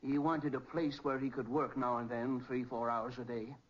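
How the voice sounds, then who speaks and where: An actor playing an earnest, slightly uneasy inventor and business partner in a 1940s radio crime drama, speaking formally. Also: male voice, medium pitch, level tone, moderate pace, close to an everyday voice. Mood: guarded. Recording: muffled vintage 1940s radio recording.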